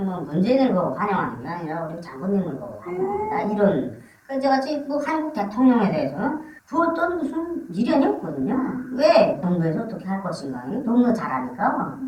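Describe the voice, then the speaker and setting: A guest from Korea, voice disguised by being pitched down, giving measured, matter-of-fact interview answers. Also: roomy sound, recorded from a distance, poor audio. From North Korea.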